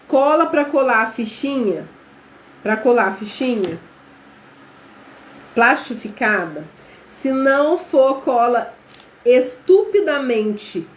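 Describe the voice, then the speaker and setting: Chatty Brazilian woman teaching live. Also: fairly high pitch. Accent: Brazilian Portuguese. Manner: chatty, addresses viewers as gente, quizzes them. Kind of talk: live online craft class. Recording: echoey room with faint background noise.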